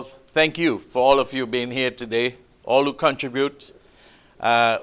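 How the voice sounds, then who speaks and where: A man preaching a sermon, with a loud, booming, emphatic delivery, speaking into a microphone in a church hall. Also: clean tone. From Trinidad. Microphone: handheld or stand mic.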